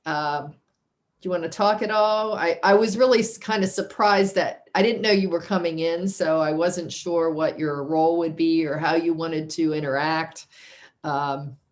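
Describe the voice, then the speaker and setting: A woman's voice: low voice, fairly even intonation, a little slow. A woman instructor wrapping up an online class over a video call, chatty and apologetic, often laughing. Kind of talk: casual wrap-up of an online class. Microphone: computer mic on a video call.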